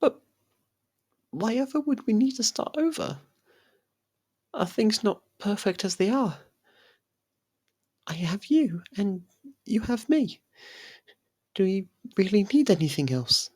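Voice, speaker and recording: A performer voicing a possessive, lovestruck young faerie royal in an intimate ASMR roleplay, soft and halting, tender and clingy. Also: medium pitch, big pitch swings, breathy edge, full character voice. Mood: anxious, pleading.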